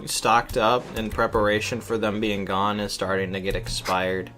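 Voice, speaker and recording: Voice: low voice, flat delivery, moderate pace, fairly bright tone, soft background music. A game streamer chatting casually with viewers in an informal, rambling, sweary way. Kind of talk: casual livestream chat over a game.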